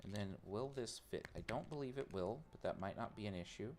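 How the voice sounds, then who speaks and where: Lively low-voiced man rambling on stream. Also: brisk, slight background noise. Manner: rambling, self-mocking, talks to chat while tinkering. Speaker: streamer building a robot. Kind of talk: casual live-stream chat while working.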